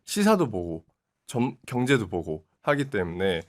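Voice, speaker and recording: Young male commentator, 20s, animated delivery, steady explainer. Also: on the low side, unhurried. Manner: explanatory, steady, frequent short acknowledgments. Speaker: guest commentator. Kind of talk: casual political talk.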